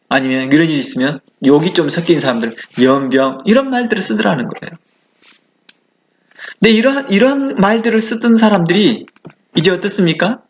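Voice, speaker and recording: A man's voice: sits high, dull audio. A male pastor giving a conversational sermon, asking the listeners questions and acting out the exclamations he quotes. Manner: conversational preaching with rhetorical questions.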